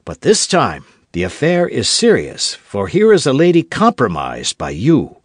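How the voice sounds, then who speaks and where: A man voicing a suave, cool-headed young musketeer with a churchman's calm, talking low and measured with a dry, mocking edge. His phrasing still rises and falls widely, read on a dry, close mic. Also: husky, no room sound, exaggerated voice. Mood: cool, reproving. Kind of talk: audiobook character voice.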